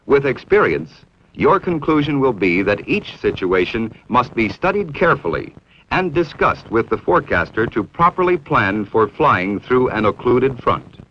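An American man reading scripted 1960s training film narration in a formal, measured, authoritative manner. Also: medium pitch, a little hiss or hum. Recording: dull, aged 1960s film soundtrack.

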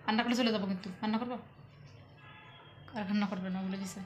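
A woman's voice: medium pitch, fairly even intonation, fast, a little mellow, a little hiss or hum. A woman from Bangladesh speaking, coaxing and teasing her husband at home while talking to her viewers. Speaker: vlogger filming her husband. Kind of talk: casual home vlog.

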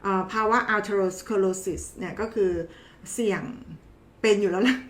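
A woman's voice: medium pitch, steady tone, a little slow. Chatty woman doctor in a roomy space. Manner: chatty, teasing, addresses viewers familiarly. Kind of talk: casual health explainer talk. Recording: roomy echo.

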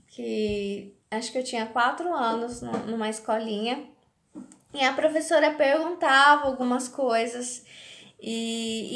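A woman in her thirties shares a faith message in a high voice with a gravelly, creaky texture. She talks haltingly and keeps checking in with her listeners. The sound bounces around an echoey room. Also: fairly bright tone. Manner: hesitant, keeps asking "sabe?". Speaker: faith vlogger. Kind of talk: casual devotional talk.

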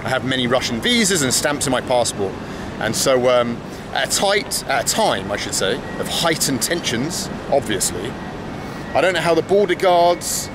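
A man in his thirties talks into a camera held at arm's length, with a chatty, wry way of narrating his trip. His pitch sits right in the middle of the male range. Clear station and train noise hums behind him. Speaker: travel vlogger. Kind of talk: casual travel vlog to camera. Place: big train station hall and train carriage. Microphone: handheld camera at arm's length. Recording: noisy station and train ambience.

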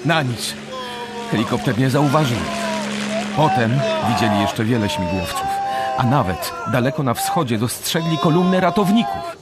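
A man narrating a dark story as a scripted radio drama. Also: medium pitch, sing-song, normal speed, loud music behind the voice.

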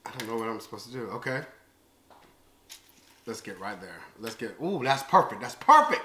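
A man's voice: fairly low pitch, normal speed. An American man in his thirties chatting casually and comically to viewers as a vlog host, exclaiming and reacting expressively while he eats. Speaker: host of a food-tasting video. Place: large open living and dining room at home. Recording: roomy echo, clear background noise.

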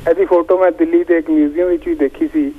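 An older man calls in over a tinny, narrow phone line. His voice sits somewhat high for a man. He recounts his memories in a measured way, often stumbling and restarting his sentences. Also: flat delivery, breathy edge. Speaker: caller. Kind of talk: phone-in conversation.

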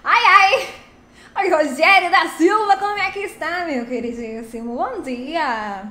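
A woman chatting lively on a live stream, greeting viewers by name while playing a truck game. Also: sits high, a little slow, roomy sound.

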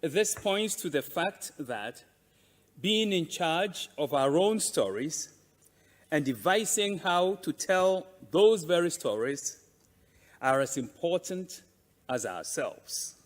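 A man giving a formal prepared conference speech, deliberate and emphatic, with measured pauses. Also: on the high side, very animated. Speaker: conference speaker presenting a museum. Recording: echoing hall with long reverb.

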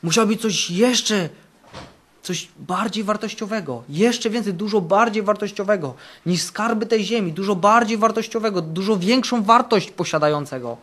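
At a camp meeting, a male preacher in full sermon mode speaks at normal speed in a fairly high voice. He is fervent, swinging between loud, bold declarations and hushed, earnest passages, and repeats key phrases to drive his points home.

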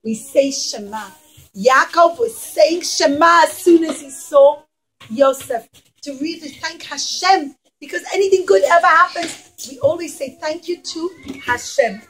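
A woman's voice: high-pitched, measured pace, a bit bright, soft background music, rough recording. A middle-aged woman teacher telling a story to young children in simple, emphatic, repetitive phrases. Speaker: preschool teacher. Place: indoors in a classroom.

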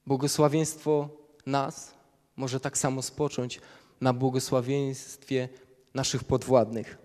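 Polish preacher in a reverberant hall. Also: male voice, mid-range voice, level tone, slow, a little mellow. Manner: reads scripture aloud, explains verse by verse. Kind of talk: sermon with Bible readings.

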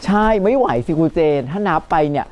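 A woman's voice: on the low side, lively intonation, a little fast, darkish tone. A woman hosting a reaction show, chatting casually and effusively as a fan, playfully pleading. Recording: faint music under the talk. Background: faint music.

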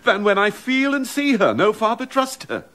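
An outspoken loyal courtier. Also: male voice, moderate pace, exaggerated voice. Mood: vehement. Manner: urgent, pleading, lively pitch. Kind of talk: classic stage verse drama, radio play.

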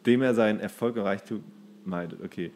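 A man's voice: on the low side, fairly quick, darkish tone. A man co-hosting a casual podcast, reading entries aloud and now and then stumbling over the words. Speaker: podcast co-host.

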